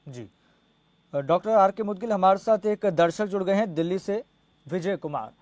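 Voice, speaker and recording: A man's voice: sits high, moderate pace, darkish tone, no echo. A man hosting a health call-in programme, addressing guests and callers formally and politely and prompting them with questions. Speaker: host of a health call-in show.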